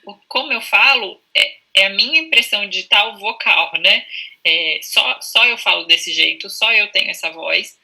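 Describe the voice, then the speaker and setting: Bright, husky-voiced Brazilian woman explaining. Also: medium pitch, normal speed, low-quality recording. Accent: Brazilian Portuguese. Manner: calm, explanatory, frequent "né?" tags. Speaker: speech therapist guest. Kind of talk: conversational explanation in a live video chat. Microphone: video call.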